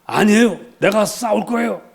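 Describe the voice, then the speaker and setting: A man's voice: a little high, a little fast, dark tone, lightly acted. Brief: bold, eager young shepherd boy in a Bible retelling, voiced by a man, earnest and pleading.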